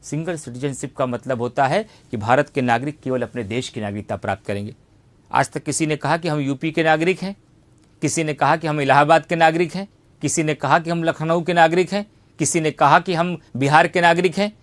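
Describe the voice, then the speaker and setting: In this online exam-prep civics lecture, the male teacher speaks a little fast with a fairly high pitch. He's emphatic, repeating himself for stress and posing rhetorical questions.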